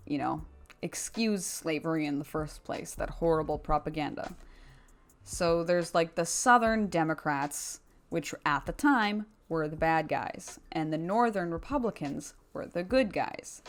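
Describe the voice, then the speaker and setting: A Canadian woman hosts video commentary, offering casual, opinionated takes to viewers in an informal, slangy and emphatic way. Her voice is deep and her pace a little slow.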